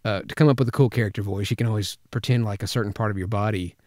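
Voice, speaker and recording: A man with a fairly low voice teaches voice acting. He talks in a casual, conversational way, as in an informal tutorial. The recording is close and dry. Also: fairly even intonation, racing, a little mellow, no echo. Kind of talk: informal instructional talk with vocal demonstrations. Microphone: close studio microphone, spoken slightly to the side.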